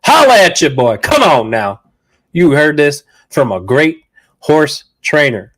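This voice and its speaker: With a rather high, bright, sing-song voice and a slightly slow delivery, a male dog trainer runs a live training Q&A stream. He's stuffed up with a cold and talks in a blunt, direct, slangy way.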